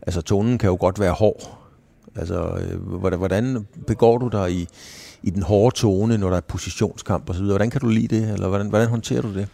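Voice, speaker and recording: A man's voice: lowish voice, fairly even intonation, gravelly, dark tone. A man interviewing a cyclist, asking probing follow-up questions in a casual tone. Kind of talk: sports interview.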